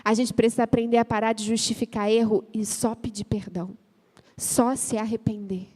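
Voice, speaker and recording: A woman pastor with a Brazilian Portuguese accent preaching a sermon, telling a personal story and then praying out loud with fervour. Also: a little high, flat delivery, moderate pace, slightly rough. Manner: storytelling, acting out both sides of a marital argument; rises to loud fervent prayer. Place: church. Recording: church hall with long reverb.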